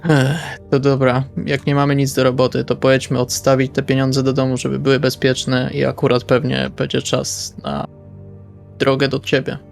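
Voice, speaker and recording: A man's voice: medium pitch, monotone, normal speed, creaky. A man playing in a tabletop role-play session, improvising casually in and out of character, informal and sweary. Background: faint music.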